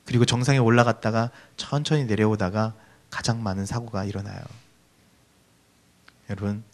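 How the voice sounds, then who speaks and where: A man preaching a sermon as a youth pastor, earnest and pleading, often dropping to a soft hush, speaking in a church hall. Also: lowish voice, steady tone, moderate pace.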